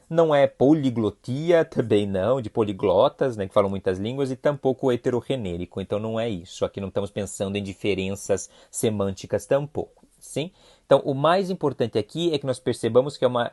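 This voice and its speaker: A man's voice: medium pitch, darkish tone. A man with a Brazilian Portuguese accent teaching a recorded Spanish review lesson, explaining patiently and often checking in with short questions.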